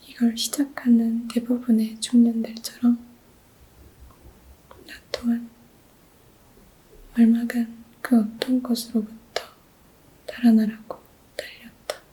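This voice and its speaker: A soft-spoken woman whispers at a very slow pace with long, frequent pauses. Noticeable background noise sits behind her. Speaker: ASMR reader. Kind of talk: book reading ASMR, whispered. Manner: whispering, soft.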